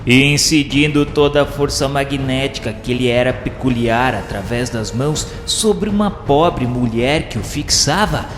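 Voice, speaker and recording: A man's voice: medium pitch, measured pace, hardly any pauses. A man narrating a radio novela from a script, with solemn, theatrical delivery and literary phrasing. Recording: echoey long reverb, music underneath. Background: clear background music.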